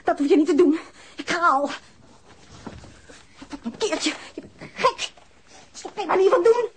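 An actress playing a forward, playful young woman who is quick to take offence, in a radio drama. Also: very high-pitched, expressive. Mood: hurt, angry. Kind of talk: Dutch radio drama acting. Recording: noisy old radio drama recording.

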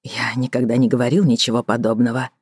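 A woman narrator voicing a calm, restrained man who speaks quietly and in a measured way. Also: extremely low pitch, breathy edge, dry recording, clean studio sound. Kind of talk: audiobook character voicing.

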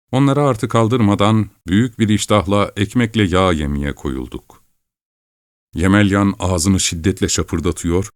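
A man narrating an audiobook in a calm, measured storytelling manner. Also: low-pitched, dry recording, clean studio sound.

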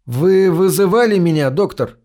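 A man's voice: high voice, lively intonation, moderate pace, dark tone, voice pushed up. A man reading an audiobook, voicing an anxious teenage boy who stammers and pleads.

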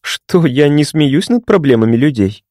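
A man's voice: on the high side, expressive, moderate pace, a little mellow, no echo, studio quality, pitched above the performer's own voice, close to an everyday voice. A man voicing a polite, curious young woman psychiatrist who asks careful questions.

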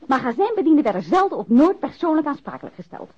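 A woman's voice: sits high, sing-song, fast. An actress playing a defensive, formal female freight company official in a radio drama. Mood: officious, indignant. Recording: dull lo-fi radio recording.

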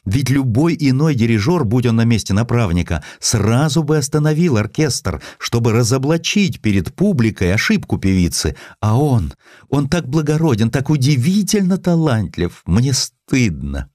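A man's voice: medium pitch, sing-song, normal speed, a little mellow, no echo, studio quality, voice pushed up, close to an everyday voice. A man voicing a distraught, remorseful opera diva in a tearful, pleading and exalted manner.

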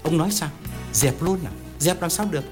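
A man's voice: mid-range voice, huge pitch swings, moderate pace, long reverb tail, music in the background. A man voicing a pushy middle-aged man who pleads and grows indignant, insistent in his talk. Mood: pressing. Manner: insistent, pleading then angry.

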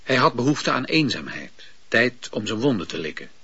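Husky man narrating an old radio play. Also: medium pitch, big pitch swings, sharp tone, no echo. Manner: measured storytelling. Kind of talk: scripted radio drama narration. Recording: dull, dry lo-fi old radio recording.

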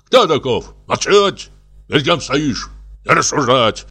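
A man's voice: very animated, measured pace, breathy edge, soft background music, heavily acted. A man voicing a bullying rural gendarme who barks orders in a piercing voice. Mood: furious. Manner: shrill shouting orders.

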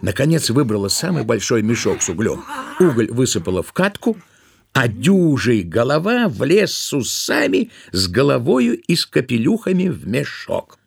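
A man's voice: mid-range voice, sing-song, normal speed, gravelly, slightly rough. A man narrating a literary tale as a scripted storyteller in an audio drama.

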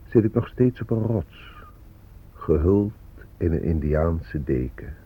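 A man's voice: low voice, husky, heavily acted. An actor playing an ancient Native American man, a solemn and mournful spirit of the dead, in a radio drama monologue. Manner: solemn, measured, poetic. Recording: tinny, phone-like old radio recording.

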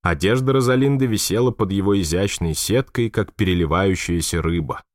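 A man with a very deep, low voice reads a novel aloud in a calm and even manner. The recording is close and dry, with no room echo. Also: fairly quick. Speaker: narrator. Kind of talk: audiobook narration.

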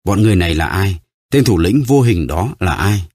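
A man voicing a starving male prisoner who stammers and begs for his life, in a dry, low voice. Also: lively intonation, moderate pace, darkish tone, breathy edge, no echo. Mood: frantic. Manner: pleading, stammering.

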